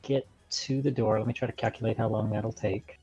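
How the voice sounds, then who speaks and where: A man's voice: on the low side, fairly even intonation, brisk, dark tone, muffled recording, faint music behind. A man playing a tabletop role-playing game, chatting casually, thinking aloud hesitantly and joking.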